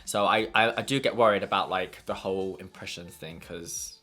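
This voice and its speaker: Bright-voiced chatty young man. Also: deep voice, moderate pace. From London. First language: Portuguese. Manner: chatty, gossipy, lots of "like". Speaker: makeup artist vlogger. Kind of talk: casual mukbang chat.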